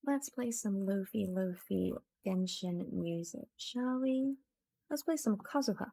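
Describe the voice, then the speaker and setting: A woman hosting a livestream, chatting casually to her viewers in a gentle, appreciative way. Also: medium pitch, expressive, a little slow, vocal fry. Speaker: livestreamer host.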